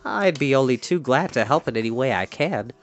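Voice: mid-range voice, animated, fairly quick, dull audio, faint music behind, natural voice. A storyteller voicing a young male pig who is innocent, earnest and anxious, with a pleading, childlike manner. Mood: eager, anxious.

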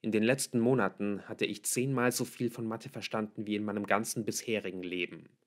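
A man's voice: lowish voice, steady tone, fairly quick. A man reading a novel aloud as scripted audiobook narration. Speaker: audiobook reader.

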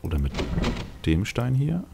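A man's voice: mid-range voice, huge pitch swings, a little slow, vocal fry, noisy background. A man giving casual gameplay commentary, musing aloud to himself as he plays. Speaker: let's play host.

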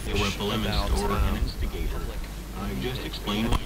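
A man speaking in a measured, reflective way in a broadcast interview. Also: fairly low pitch, steady tone, over music, rough recording.

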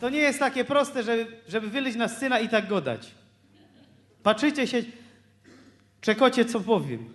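A man with a Silesian accent telling jokes in a halting stand-up monologue on stage. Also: very high voice, lively intonation, a bit bright. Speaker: stand-up comedian. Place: stage before an audience. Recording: roomy live stage recording.

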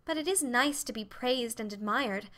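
A woman's voice: a little high, moderate pace, fairly bright tone, pitched above the performer's own voice, lightly acted. A woman voicing a bashful, earnest teenage girl confessing to her mother in a storybook reading. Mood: pleading.

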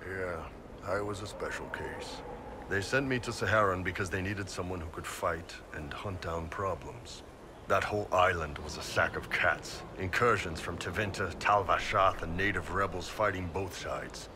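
A man voicing a huge horned mercenary spy in a video game, gruff and wry, blunt and laid-back, with a deep gravelly voice. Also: measured pace, background noise. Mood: weary, blunt. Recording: game audio with clear background ambience.

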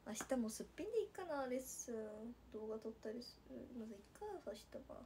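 A young woman with a Nagasaki accent, chatting on a sleepy late-night livestream and reading viewer comments, slipping into soft whispers. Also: a little high, lively intonation, brisk, slight background noise. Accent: Nagasaki dialect. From Nagasaki, Japan. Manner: drowsy, drifting into soft whispers, then bright squeals for viewers. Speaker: idol livestreamer.

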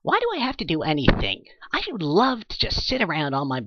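A man's voice: a little high, wildly swooping pitch, brisk, dull audio, slight background noise. A man voicing a bratty, sulky male pony for a game audition, whiny, petulant and dismissive. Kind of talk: game character audition lines.

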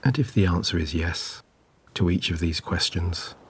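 A man narrating a scripted guided sleep meditation in a soothing, gentle, measured way. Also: sits low, lively intonation, a little hiss or hum. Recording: clear background ambience of waves. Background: relaxing ocean wave sounds.

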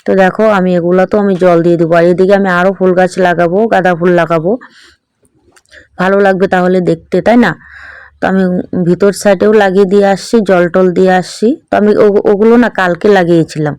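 A woman's voice: on the low side, fairly even intonation, quick pace, darkish tone, clear, resonant tone, dry recording. A middle-aged woman with a Bangal Bengali accent, chatting through a casual home vlog and often checking in with her viewers. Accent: Bangal (East Bengal) Bengali. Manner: chatty, keeps checking in with tag questions. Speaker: vlogger.

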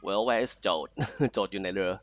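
A young man from Thailand tutoring a student live online. He reads the passage aloud slowly, then explains it in quick, chatty talk. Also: fairly low pitch, steady tone, highs cut off. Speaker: IELTS tutor. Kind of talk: live online tutoring, Thai mixed with English. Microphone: online call mic.

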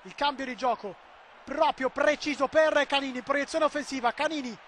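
A man giving excitable live football commentary, swinging between clipped calls and drawn-out shouts. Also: very high-pitched, slight background noise.

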